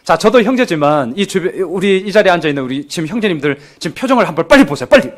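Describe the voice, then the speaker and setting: A man preaching a sermon as pastor to his congregation, animated and acting out the voices of townspeople as he goes. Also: high-pitched, rapid-fire. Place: church sanctuary with congregation.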